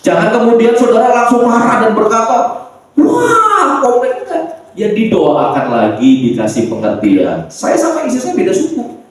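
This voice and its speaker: A man from Indonesia, a pastor preaching a sermon in a church, lively and acting out the voices of the people he quotes. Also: sits high, normal speed. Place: church hall. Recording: echoey church from far off.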